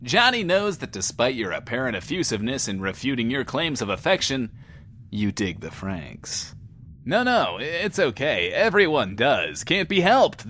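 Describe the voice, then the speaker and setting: Pompous, swooping radio host. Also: male voice, mid-range voice, fairly bright tone, a little hiss or hum. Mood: smug, amused. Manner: pompous, florid, theatrical. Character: vain, bombastic, smooth-talking male radio host in love with himself. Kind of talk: radio DJ patter in an audio drama.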